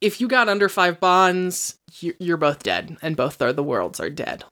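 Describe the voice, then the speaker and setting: A woman co-hosting a podcast and chatting casually about a tabletop game, playful and given to excitable interjections. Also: fairly low pitch, moderate pace. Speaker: podcast co-host and tabletop role-player.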